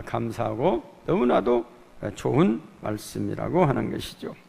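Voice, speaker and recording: Male pastor, from Jeolla, Sunday sermon, gravelly fry, halting "ah" fillers, emphatic lifts on key words, long church-hall echo. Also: mid-range voice. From Jeolla province, Korea. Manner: halting, fills pauses with drawn-out "ah" and "eh". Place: church sanctuary.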